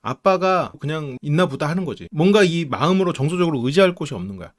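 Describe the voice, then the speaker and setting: A man's voice: a little high, fast talker. A man giving casual commentary on a reality show from a counseling view, acting out the family's quoted lines as he goes. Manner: animated, acts out quoted lines of family members. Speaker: counseling psychology YouTuber. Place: home studio, live stream.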